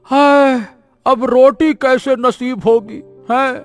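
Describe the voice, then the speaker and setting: A man's voice: very high-pitched, steady tone, slow pace, faint music behind. A man voicing a mocking, bossy village headman in a cartoon story. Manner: taunting, threatening. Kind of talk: Hindi cartoon voice acting.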